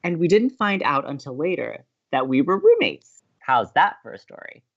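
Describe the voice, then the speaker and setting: A woman acting as a sweet, earnest, sentimental college radio co-host in an audio drama, with expressive delivery. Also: low voice, normal speed, dull audio, full character voice. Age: young adult. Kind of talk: naturalistic audio drama banter.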